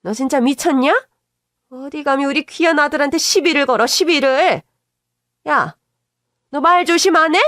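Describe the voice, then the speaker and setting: A woman voicing a shrill older mother-in-law who scolds and defends her son. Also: normal speed, long pauses, a bit bright, dry recording, clean studio sound. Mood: indignant. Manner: shrieking, scolding.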